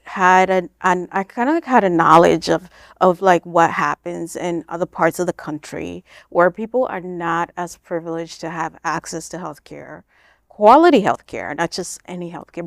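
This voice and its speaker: Woman from kenya chatting as interview guest, lowish voice, explains stuff casually, dry sound. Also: normal speed, gravelly, no echo. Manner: informal, explanatory, frequent "like" and "you know". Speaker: interview guest, nonprofit founder. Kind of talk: conversational interview answers.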